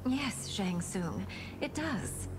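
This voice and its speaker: A woman's voice: mid-range voice, sing-song, drawn-out words. A woman playing a proud, cunning warrior princess in a game cutscene, formal and imperious. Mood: composed, veiled. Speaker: actor in a fantasy fighting game. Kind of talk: dramatic game cutscene acting. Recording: music clearly behind the voice.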